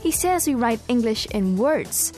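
A woman from Northern Ireland with a Northern Irish accent, co-hosting an English learning programme in clear, explanatory scripted speech. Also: on the high side, lively intonation, a little slow, a little mellow, faint music behind. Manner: clear, explanatory, asks co-host questions. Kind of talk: scripted educational presenting.

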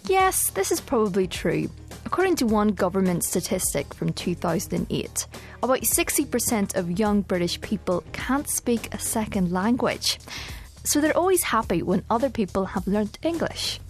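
A woman from Northern Ireland with a Northern Irish accent, co-hosting an English learning programme in clear, explanatory scripted speech. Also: medium pitch, very animated, normal speed, soft background music. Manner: clear, explanatory, asks co-host questions. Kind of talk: scripted educational presenting.

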